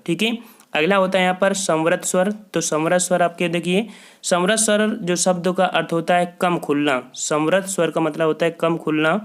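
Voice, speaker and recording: A man's voice: on the high side, clean tone. A man teaching an exam-prep lesson, asking questions and answering them himself, often checking with "theek hai".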